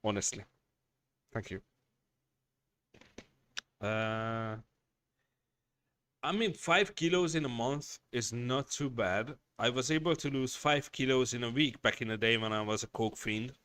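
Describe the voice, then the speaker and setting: A man's voice: mid-range voice, a little slow, pauses often, a bit bright, clean tone. A man hosting a casual livestream, chatting with viewers, reading their messages and swearing bluntly as he rambles. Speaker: livestream host.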